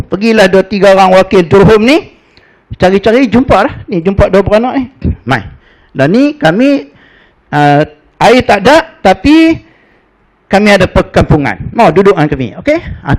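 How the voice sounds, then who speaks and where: A man's voice: on the high side, low-quality recording. A middle-aged man with a Malaysian Malay accent teaching a casual religious class, telling stories in a chatty, folksy way and reciting Arabic verses.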